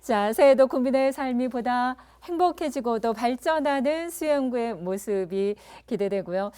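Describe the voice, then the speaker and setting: A woman's voice: a little high, lively intonation, normal speed, warm tone. A woman hosting a TV interview program, polished and courteous, prompting her guest and closing the show. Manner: polished, courteous, with frequent affirming backchannels. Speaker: TV talk show host. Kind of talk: polite broadcast interviewing.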